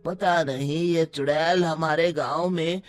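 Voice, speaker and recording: A performer voicing an anxious, earnest village man in an animated story, fearful and seeking help, music behind. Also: mid-range voice, takes it slowly, lightly acted. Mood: worried.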